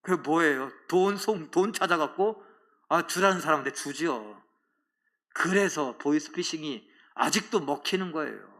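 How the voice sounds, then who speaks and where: A man's voice: on the high side, expressive, normal speed, a bit bright. A male pastor preaching a Sunday sermon, asking rhetorical questions and answering them himself. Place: church.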